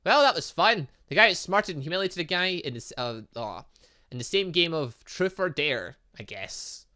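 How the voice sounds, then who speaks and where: On the high side and bright, his forceful voice has lively intonation and a moderate pace. The man hosts a gaming channel and gives casual let's play commentary on a visual novel, reading game text, chatting, and muttering asides while he thinks aloud.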